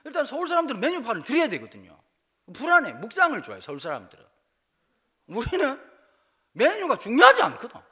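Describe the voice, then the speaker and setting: Preaching a revival service in a church sanctuary, this Busan-born guest pastor tells funny personal stories in his Gyeongsang accent. He talks fast with frequent pauses, and his voice is high, bright, and husky, with big pitch swings as he jokes. He acts out snippets of dialogue in dialect, keeping the sermon lively.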